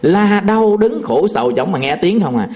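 A man's voice: high voice, sing-song, moderate pace, darkish tone. A man, a Buddhist monk telling a folksy, chuckling story in a sermon, full of fillers.

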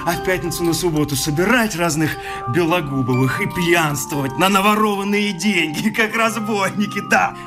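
An actor playing an anguished, idealistic young husband in a radio drama, impassioned and pleading, stammering and repeating himself. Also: male voice, sits high, moderate pace. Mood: tearful, bitter. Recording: studio radio play with loud music. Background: music.

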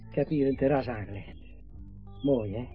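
A man's voice: medium pitch, normal speed, lightly acted. A man acting in a radio drama, playing a chatty, eager middle-aged father proudly showing off his home. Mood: proud, relaxed. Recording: muffled radio play recording, faint music.

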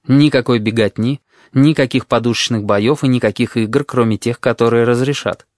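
A man voicing a tired older male caretaker who talks calmly and quietly firmly. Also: medium pitch, normal speed, no room sound, clean studio sound, natural voice. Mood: weary. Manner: calm, weary, quietly firm.

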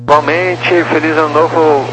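Male air traffic controller, slightly high voice, procedural phrasing over a humming, noisy radio channel. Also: level tone, normal speed. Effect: radio transmission. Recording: noisy aviation radio with mains hum.

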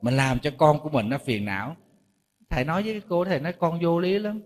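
A male Buddhist monk with a Southern Vietnamese accent giving a lively sermon, often asking the audience rhetorical questions. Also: a little high, fast talker. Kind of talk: dharma talk sermon. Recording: long reverb hall.

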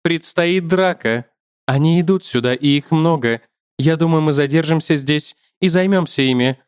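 A man's voice: on the high side, normal speed, clear, resonant tone, no room sound, clean studio sound, lightly acted. A man voicing a fierce black widow spider with a thin, ringing voice. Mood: grave.

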